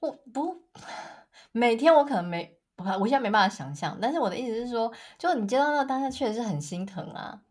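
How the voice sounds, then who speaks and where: Brief: thirties woman, casual podcast co-host, expressive storyteller whose pitch leaps when she acts out quotes. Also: fairly quick. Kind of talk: casual chat.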